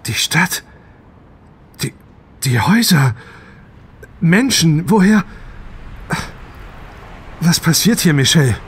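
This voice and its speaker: An actor playing a desperate, awestruck husband in a science fiction audio drama, speaking haltingly and emotionally. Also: male voice, on the high side, sing-song, breathy edge, heavily acted. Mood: bewildered.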